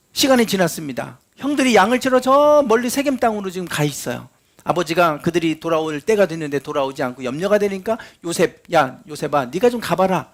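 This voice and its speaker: Middle-aged guy pastor preaching, high voice that swings all over, acts out the story bits. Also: creaky. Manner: storytelling, acting out quoted lines with big pitch swings. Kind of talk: sermon.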